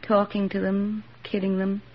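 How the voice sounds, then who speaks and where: A woman plays an earnest young army nurse in a 1940s radio drama, speaking with heartfelt sincerity yet in a medium-pitched, completely flat, unhurried delivery. The sound is that of a dull old radio broadcast recording.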